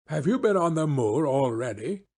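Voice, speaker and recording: A man's voice: fairly high pitch, big pitch swings, normal speed, a little mellow, husky, exaggerated voice. A man playing a confident, eager male detective in an audiobook, with commanding, precise phrasing. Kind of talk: audiobook character acting.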